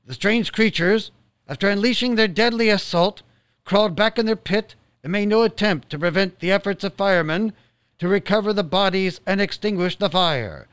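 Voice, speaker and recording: Actor as high-pitched, earnest radio newsman. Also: moderate pace, fairly bright tone, clear, resonant tone, no room sound. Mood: urgent, formal. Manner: formal, urgent, orderly. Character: earnest male radio news announcer covering a disaster. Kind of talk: formal radio drama news announcing.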